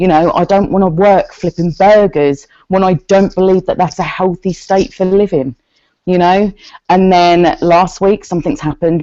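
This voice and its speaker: A woman with an English accent speaks at a moderate pace in a fairly low pitch, her tone dark and mellow. Her intonation is fairly even and her loudness very even. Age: 30s. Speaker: guest on a women's support hangout. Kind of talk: personal testimony in group video chat.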